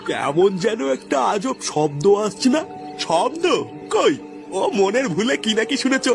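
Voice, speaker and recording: A man plays a brisk young villager in a comedy cartoon. The voice is pitched up very high and moves up and down a lot, with music underneath. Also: very animated, creaky, full character voice. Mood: dismissive. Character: younger village man hurrying his uncle along, cartoon. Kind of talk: exaggerated comedy cartoon acting.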